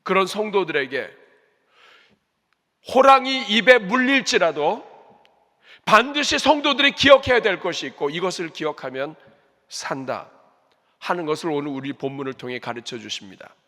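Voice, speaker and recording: A man's voice: sits high, animated, normal speed, long pauses, pushed and bright. A man, a senior pastor, preaching a sermon in earnest, asking the congregation rhetorical questions. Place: church sanctuary. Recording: reverberant church hall.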